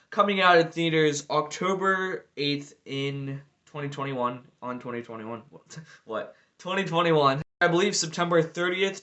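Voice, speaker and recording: A man's voice: mid-range voice, fairly bright tone. A man talking casually on a hobby vlog, rambling and often filling with "you know" and "like". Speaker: Lego video creator. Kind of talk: casual speculative vlog chat.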